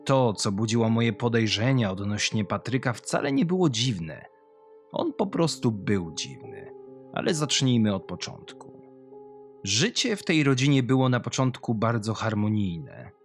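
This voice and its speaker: A man's voice: lowish voice, very animated, measured pace, faint music behind. A man voicing a sadistic, mocking woman killer who confides her grim childhood in a horror audio story. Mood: bitter, reflective.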